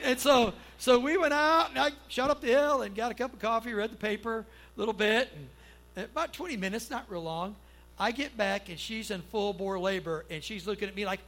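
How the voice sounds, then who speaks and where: A man's voice: sits high, a little fast, fairly bright tone, poor audio. A middle-aged man, a pastor, preaching to a church congregation in a folksy, storytelling way, often checking in with the crowd, then leading a prayer. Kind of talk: conversational sermon and prayer.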